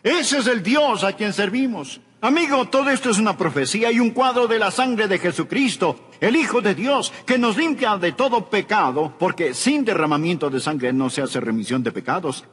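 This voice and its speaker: A man delivering a sermon, preaching emphatically and swinging between raised and hushed delivery. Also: sits high, animated, normal speed, few pauses, slightly rough, long reverb tail.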